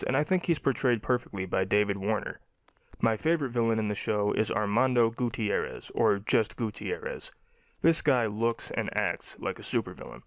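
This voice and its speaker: Low-voiced young man reviewing cartoons. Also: no room sound. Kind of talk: scripted review narration.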